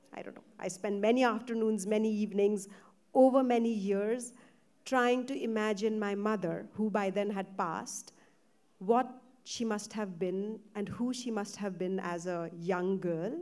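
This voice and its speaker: A woman from Nepal, a novelist being interviewed on a festival stage, talking reflectively with pauses and fillers. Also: medium pitch, darkish tone. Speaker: novelist, guest. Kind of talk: literary panel interview.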